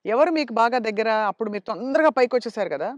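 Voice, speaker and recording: A man's voice: very high-pitched, lively intonation, fast talker, no room sound. A man interviewing a guest, asking questions and prompting with short murmured agreements.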